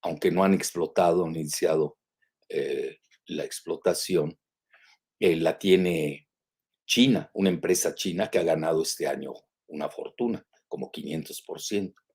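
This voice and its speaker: A man's voice: very deep voice, a little slow, creaky, a little mellow, breathy edge. An older man with a Mexican Spanish accent gives live commentary on the news, talking in a rambling, digressive way with many "eh" fillers and self-corrections. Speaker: geopolitical analyst hosting a weekly live show.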